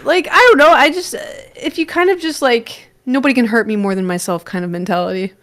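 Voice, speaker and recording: A woman's voice: on the high side, fast talker, a bit bright. Slangy, encouraging woman in casual chat. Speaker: livestream guest and content creator.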